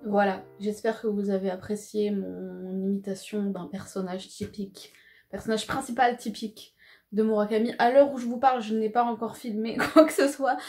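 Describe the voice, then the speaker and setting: A woman's voice: mid-range voice, fairly even intonation, moderate pace, a little mellow, soft background music. A woman in a casual vlog talking about books to camera in a chatty way, with lots of fillers and slang. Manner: chatty, full of fillers and slang, laughs often. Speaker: book vlogger.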